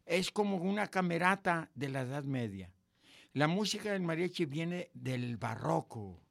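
Older man, Mexican Spanish accent, gravelly, joking storyteller, casual chat. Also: fairly high pitch, expressive, a little slow. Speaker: guest musician.

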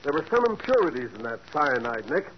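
A brisk, friendly police sergeant in a 1940s radio drama. His voice sits fairly high and he reports facts matter-of-factly. The sound is a dull old broadcast with a faint hiss. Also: big pitch swings.

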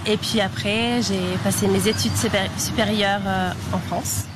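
A woman's voice: medium pitch, fairly even intonation, normal speed. A woman in her thirties from Italy, interviewed at an outdoor café, speaking hesitantly with many fillers. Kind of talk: recorded interview. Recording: loud street traffic behind.

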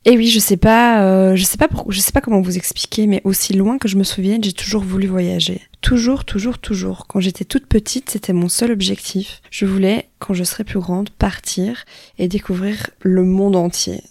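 A young adult woman hosts a podcast in an informal, unscripted way. Her voice is on the mellow side and sits at a middle pitch. The sound is dry, with little room in it. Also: fairly even intonation, moderate pace, no room sound. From Wallonia, Belgium. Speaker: podcast host. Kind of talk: spontaneous solo podcast talk.

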